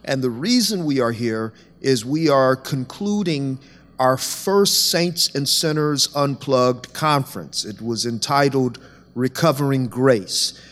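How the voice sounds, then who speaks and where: Male pastor host, mid-pitched, jovial, steers the talk with questions. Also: lively intonation, slow pace, fairly bright tone. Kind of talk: panel discussion. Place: church sanctuary with live audience.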